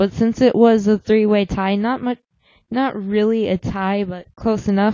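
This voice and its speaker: At a moderate pace, a woman talks in a medium-pitched, flat monotone. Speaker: amateur race commentator. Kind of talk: live commentary. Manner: stuttering, self-correcting.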